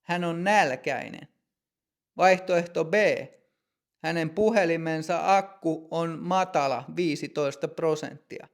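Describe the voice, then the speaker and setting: Gravelly male language teacher. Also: sits high. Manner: clear, deliberate reading. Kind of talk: scripted lesson narration.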